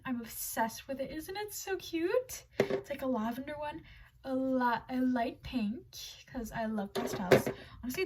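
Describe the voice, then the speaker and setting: A woman's voice: high voice, very noisy. A young woman showing off a haul, chatting casually in a bubbly, rambling way with many restarts. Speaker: book vlogger.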